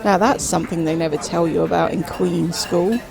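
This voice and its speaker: A woman's voice: lowish voice, fairly even intonation, brisk, creaky, a crowd in the background, rough recording. A woman voicing a chatty, self-absorbed widowed queen who drawls with grand theatrical emphasis. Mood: gossipy.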